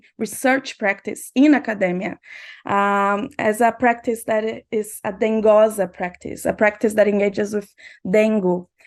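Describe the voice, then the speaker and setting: A woman speaks with a Portuguese accent in a fairly high voice. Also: quiet background. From Brazil. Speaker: artist and researcher. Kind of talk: conference presentation. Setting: conference. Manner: halting, many fillers.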